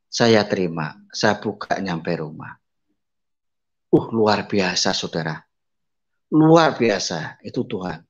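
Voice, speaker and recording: A blind man gives an emotional personal testimony, addressing listeners as brothers and sisters, dropping to soft asides and raising his pitch to act out the people he quotes. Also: breathy edge. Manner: acts out quoted voices with raised pitch. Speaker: testimony speaker. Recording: slightly dull lo-fi audio.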